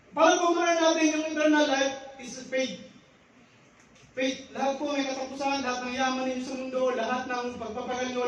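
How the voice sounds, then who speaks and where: A man's voice: very high voice, heavy reverb, distant mic, a little hiss or hum, poor audio. A man in his thirties giving a church devotional, sharing a prayer and a story. He repeats his phrases and often adds tag questions. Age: 30s.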